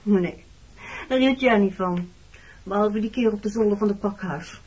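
A woman acting in a radio play as a hurt, reproachful married woman facing her former lover, speaking in a measured, intimate, accusing way with a slightly husky voice. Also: medium pitch, a little mellow, close to an everyday voice. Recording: dull lo-fi old radio recording.

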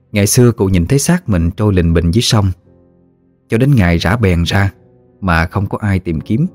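Man, ghost story narrator, low voice, dry, quiet music. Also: no echo.

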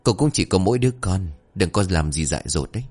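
A man voicing a cold, menacing rich old male moneylender who talks low and sneering. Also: sing-song, brisk, full character voice. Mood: threatening.

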